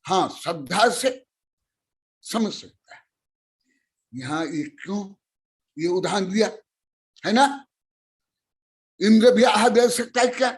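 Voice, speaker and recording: A man, a monk, giving a sermon to lay listeners, questioning and scolding them with loud bursts of emphasis. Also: high-pitched, slow pace, long pauses. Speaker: Jain monk teaching scripture.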